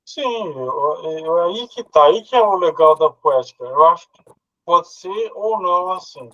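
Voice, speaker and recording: Bright-voiced Brazilian man thinking aloud. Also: high voice, animated, measured pace, dry recording, lo-fi sound. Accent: Brazilian Portuguese. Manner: thinking aloud, hesitant with fillers and laughs. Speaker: philosophy study group participant. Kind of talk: casual discussion.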